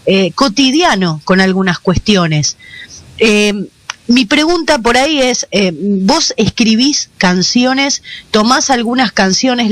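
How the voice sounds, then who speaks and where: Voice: medium pitch, fairly bright tone, no echo. A radio host with a Rioplatense Spanish accent, speaking casually and chattily with fillers while questioning a guest. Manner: chatty, loose, uses voseo, with fillers.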